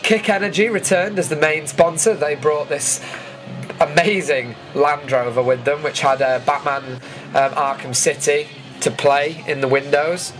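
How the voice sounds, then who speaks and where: A man's voice: on the high side, fairly even intonation, unhurried, fairly bright tone, faint music behind, low-quality recording. A man with a British accent giving a chatty, informal voice-over commentary as a vlogger recapping an event. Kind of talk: casual voice-over commentary on footage.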